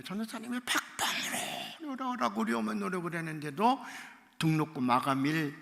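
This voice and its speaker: A man preaching a revival sermon in a church, telling a story and acting out its dialogue, sometimes shouting and crying out the lines. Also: medium pitch, vocal fry. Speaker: pastor. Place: church sanctuary. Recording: church hall reverb.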